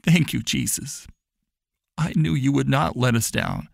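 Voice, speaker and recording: A man's voice: mid-range voice, measured pace, creaky, dry recording, studio quality, pitched above the performer's own voice. A man voicing a grateful, devout mother in a storybook, speaking in an earnest, prayerful way. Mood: tearful gratitude.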